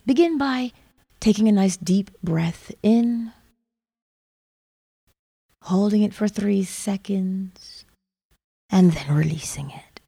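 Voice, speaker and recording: A woman softly narrating a guided meditation in a soothing manner, with gravelly fry and breathy phrase endings that trail toward a whisper. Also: medium pitch, slow pace, long pauses. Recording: long reverb on the voice.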